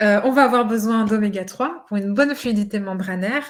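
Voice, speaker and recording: Moderate pacing from a woman at a fairly high pitch, with pitch that varies in an ordinary way. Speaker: naturopath and trainer. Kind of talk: webinar lecture. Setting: online webinar. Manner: hesitant fillers.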